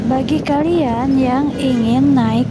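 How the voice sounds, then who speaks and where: A woman talks at a very slow pace over loud background noise, the sound dry with no echo. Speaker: motovlogger. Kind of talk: casual vlog narration. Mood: relaxed. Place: motorbike. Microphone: helmet.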